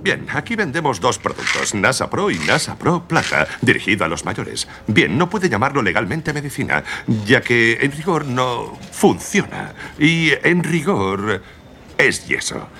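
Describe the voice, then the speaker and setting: A man dubbing a sleazy middle-aged sales boss in a Spanish-dubbed TV comedy, giving a smooth, matter-of-fact pitch. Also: sing-song, measured pace, sharp tone, slight background noise, full character voice. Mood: cynical.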